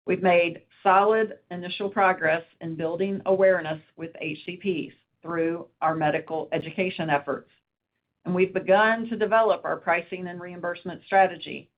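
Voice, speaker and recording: A woman executive reading a scripted corporate earnings presentation in a formal, measured way. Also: lowish voice. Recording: narrowband phone conference line.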